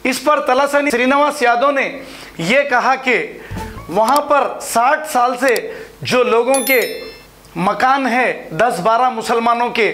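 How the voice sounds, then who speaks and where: A man's voice: extremely high pitch, slow, sharp tone, soft background music. A man presenting a news report in a scripted style. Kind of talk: scripted news introduction and appeal to viewers.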